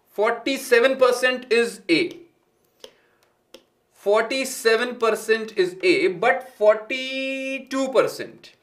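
A man in his thirties with an Indian English accent, teaching a live online science class in a studio and mixing Hindi with English as he quizzes students. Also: very high voice. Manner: mixes Hindi and English, asks students questions; animated, gestures while talking. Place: studio with green screen.

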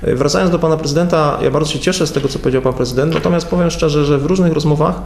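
A man in his forties, a county head, answering in a local TV studio interview, measured and full of hesitations. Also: fairly high pitch, a little mellow. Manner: measured, hesitant with many fillers. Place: TV studio at a table. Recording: echoey studio room.

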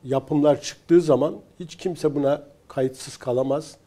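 A man appearing as a guest in a studio talk, speaking in a measured, earnest way with hesitant pauses. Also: a little high, steady tone, mellow. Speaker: guest producer. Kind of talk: casual studio conversation.

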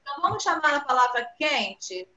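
Very animated and fairly quick, this woman's high, sharp-toned voice comes through dull video-call audio from an echoey room. She is a primary school teacher with a Brazilian Portuguese accent, patiently coaxing young children online and drawing out her words.

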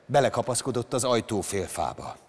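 A male actor reads a prose story aloud at a literary gala, with measured and dramatic phrasing. His voice has an ordinary middle pitch for a man. The sound carries the long reverb of a large concert hall. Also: lively intonation, slightly rough. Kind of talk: dramatic literary reading on stage.

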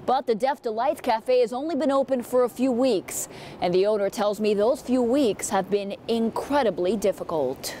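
A young woman reporter delivering a scripted news report in a crisp, measured way, partly on camera on a city street. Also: fairly high pitch, dark tone, a little hiss or hum.

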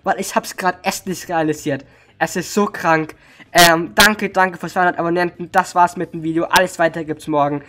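A hoarse man giving a casual update to viewers as a streamer, excited and overwhelmed, repeating words for emphasis. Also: a little high, normal speed. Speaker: streamer and gaming video creator.

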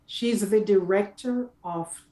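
A middle-aged woman speaking as a guest career coach on a video call, giving conversational advice in a deliberate, emphatic way. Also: medium pitch, dark tone. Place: small office, indoors.

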